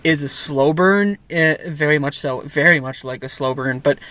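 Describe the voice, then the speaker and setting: High-voiced enthusiastic young man. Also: normal speed, sharp tone. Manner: enthusiastic, rambling, laughs at himself. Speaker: co-host film reviewer. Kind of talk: casual film review chat.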